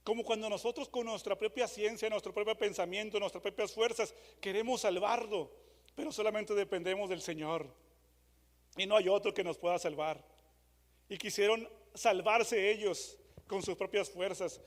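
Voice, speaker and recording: Dramatic high-voiced pastor in echoing hall. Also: male voice, normal speed. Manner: dramatic, swings from loud shouted re-enactments to hushed questions. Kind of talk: sermon. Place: church hall. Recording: long church hall reverb.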